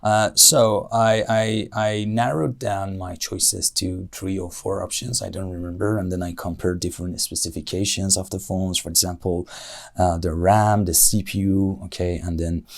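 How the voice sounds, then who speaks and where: A man with a Persian accent and a notably low, deep voice, giving spoken-exam answers in English. He thinks aloud, fills gaps with "uh" and restarts his phrases, sounding careful rather than rushed. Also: fairly even intonation, vocal fry. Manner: thoughtful, with frequent "uh" and self-corrections. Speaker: IELTS speaking test candidate.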